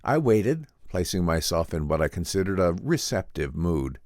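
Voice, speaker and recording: A man narrates classic science fiction in a low, dry-recorded voice. His delivery is earnest and theatrical, with animated rises and falls. The phrasing is formal and scripted, like an audiobook dramatic reading. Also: moderate pace, dry recording.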